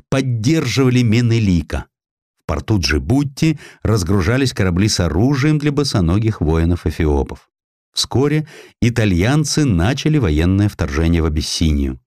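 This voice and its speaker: A man reading a historical essay as an audiobook narrator, in a measured, dramatic storytelling delivery with expressive emphasis. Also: on the low side, dry recording, studio quality.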